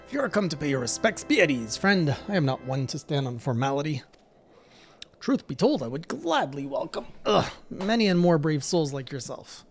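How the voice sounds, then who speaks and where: A man's voice: fairly high pitch, sing-song, normal speed, faint music behind. A man reading aloud the lines of a courteous noble knight commander, with formal, old-fashioned phrasing.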